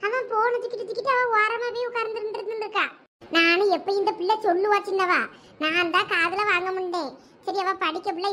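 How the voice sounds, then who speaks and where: A woman playing a furious, strict village mother who scolds. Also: bright, forceful tone. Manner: scolding, shrill threats.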